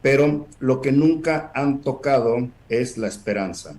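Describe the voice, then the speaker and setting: A man, a guest in a casual online debate, explaining in a measured way with pauses and fillers. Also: mid-range voice, darkish tone.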